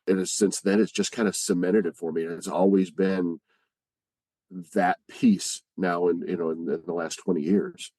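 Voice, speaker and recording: A man tells a personal story in a very low voice. He is conversational and halting, often repeating phrases, and the sound is dry. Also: fairly even intonation, dark tone, no room sound. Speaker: guest, community theatre player.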